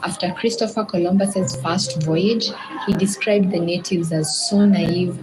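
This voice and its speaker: A woman's voice: fairly low pitch, fairly even intonation, measured pace, echoey room, poor audio. A woman reading scripted documentary narration as a narrator. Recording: played video with music underneath. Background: music.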